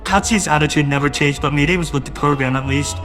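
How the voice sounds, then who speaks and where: A man's voice: on the high side, fairly quick, over music. A man narrating a first-person audio drama in a wistful, doting way that grows uneasy.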